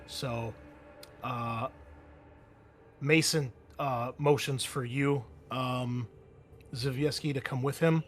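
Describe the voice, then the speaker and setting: A man's voice: medium pitch, fairly even intonation. Male game master over background music. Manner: halting, conversational. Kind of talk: narrating a tabletop game to players, improvised. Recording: music behind the voice.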